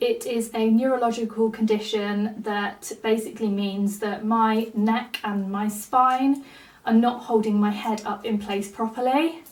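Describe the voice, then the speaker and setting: A woman's fairly high, somewhat breathy voice, fairly slow, with fairly even intonation. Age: 20s. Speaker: vlogger with chronic illness. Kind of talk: personal video diary.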